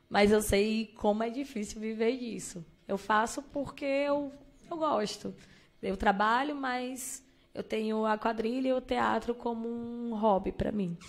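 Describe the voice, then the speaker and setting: The woman's voice is fairly high. She talks at a fairly slow pace. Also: ordinary pitch variation. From Ceará, Brazil (Alto Santo); Ceará, Brazil. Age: 20s. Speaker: teacher and actress; teacher, actress. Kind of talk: casual interview. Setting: studio. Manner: animated. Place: studio. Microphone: studio mic.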